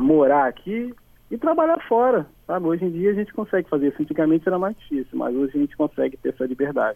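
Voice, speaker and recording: With a high pitch and lively intonation, a man talks at a very fast pace. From Vitória, Espírito Santo, Brazil. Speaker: musician and beatmaker. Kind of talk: radio interview.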